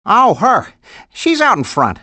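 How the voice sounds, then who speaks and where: Lilting Upper Midwestern cartoon animal mom. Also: female voice, mid-range voice, wildly swooping pitch, slow, sharp tone, no room sound, full character voice. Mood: chipper, helpful. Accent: Upper Midwestern American. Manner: homespun, chipper, motherly. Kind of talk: animated video game voice acting.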